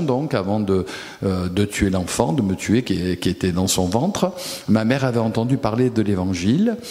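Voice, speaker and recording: Noticeable background noise beneath a man's fairly low voice. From France, Nice. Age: 70s. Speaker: pastor. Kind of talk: testimony. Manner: halting, many hesitations.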